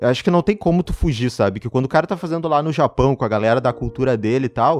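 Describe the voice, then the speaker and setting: A man's medium-pitched voice at a very fast pace with lively intonation, dry, close sound with no echo, and a quiet background. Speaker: film youtuber. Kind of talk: casual chat.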